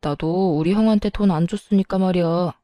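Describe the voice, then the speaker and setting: A woman's voice: fairly low pitch, brisk, mellow, no room sound, faint music behind, lightly acted. A woman voicing a stingy, selfish young husband who talks in a curt, lecturing way. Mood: dismissive.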